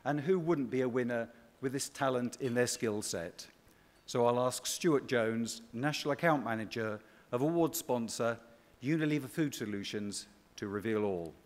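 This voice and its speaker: A man delivers a scripted ceremonial award speech as presenter, in measured phrases with dry humour. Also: medium pitch. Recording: echoey hall reverb.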